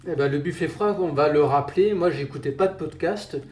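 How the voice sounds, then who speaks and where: A man co-hosting a podcast, his voice a touch higher than most men's and ringing in an echoey room. He talks in measured, carefully built sentences, a little wordy but friendly. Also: a little mellow. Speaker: podcast co-host and editor. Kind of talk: casual podcast chat.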